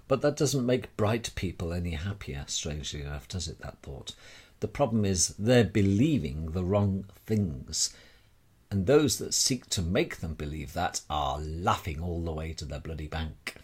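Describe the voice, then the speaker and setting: A man delivering a rambling monologue straight to the listener in a wry, theatrical manner with deliberate dramatic pauses. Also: deep voice, expressive, darkish tone, slightly rough. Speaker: speaker sharing personal views.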